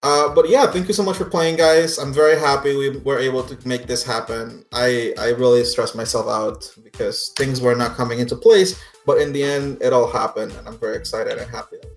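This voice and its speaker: A man's voice: medium pitch, fairly quick, hardly any pauses. A man speaking casually as the game master of a tabletop role-playing game. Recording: roomy echo, faint music behind.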